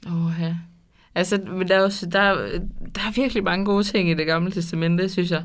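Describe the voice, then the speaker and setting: Amid audible room echo, a woman speaks at a fairly quick pace in a medium pitch with fairly even intonation and long, frequent pauses. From Denmark, Funen. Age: 20s. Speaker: doctor. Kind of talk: testimony. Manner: hesitant, many fillers.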